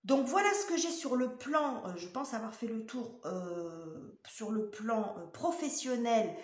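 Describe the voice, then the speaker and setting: A woman's voice: on the high side, lively intonation, measured pace. A woman doing a casual tarot reading, talking in a hesitant way with many fillers and restarts. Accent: French. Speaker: tarot reader. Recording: roomy echo.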